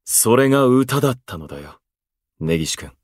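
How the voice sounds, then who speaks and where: An actor playing an aloof, eloquent station worker in a voice drama, speaking in florid, pompous, unhurried phrases. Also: male voice, medium pitch, sing-song, no room sound, studio quality. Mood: wistful. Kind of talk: Japanese voice drama acting.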